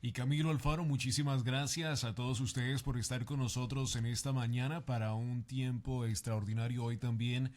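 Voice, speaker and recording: A man's voice: mid-range voice, steady tone, moderate pace, few pauses, darkish tone. A man co-hosting a Christian radio show, introducing the guest politely with frequent fillers. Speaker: radio co-host.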